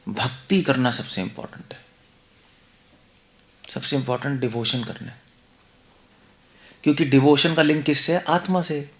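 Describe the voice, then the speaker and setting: A male monk giving a conversational scripture class, mixing Hindi and English, asking the listeners rhetorical questions. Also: medium pitch. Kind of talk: Hindi-English devotional lecture.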